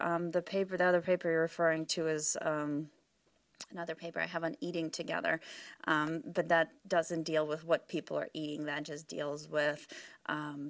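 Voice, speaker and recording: A woman's voice: low-pitched, dry recording. A woman researcher giving conversational, explanatory interview answers, informal and peppered with "you know" and "right".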